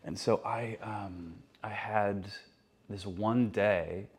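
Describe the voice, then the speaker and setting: Low, gravelly laid-back man. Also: steady tone. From Canada. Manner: laid-back, halting storytelling with many ums. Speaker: podcast guest. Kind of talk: casual chat, telling a ghost story.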